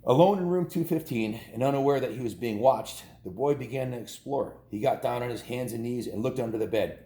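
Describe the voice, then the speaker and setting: A man's voice: medium pitch, brisk, mellow, echoey room. A man reading a children's story aloud in an informal, homespun way, stumbling and correcting himself with casual asides.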